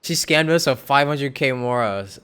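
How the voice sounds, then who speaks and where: A young man giving casual, slangy live gameplay commentary, reacting aloud in a halting way. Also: medium pitch, animated, a bit bright, clear, resonant tone. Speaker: game streamer.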